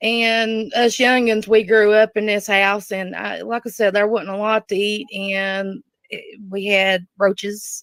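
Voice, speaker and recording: A woman's fairly high-pitched, monotone, flat delivery in a strong Southern US accent, at a fairly slow pace with hardly any pauses, in a dry, close sound with no echo. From US South. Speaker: interviewee sharing life story. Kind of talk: casual interview.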